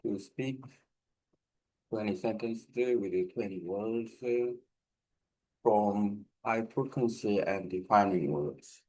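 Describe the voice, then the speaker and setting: A man with a Korean accent, a native Korean speaker, explains a language practice project informally in halting, non-fluent English, often searching for words. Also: on the low side, a little mellow, rough recording.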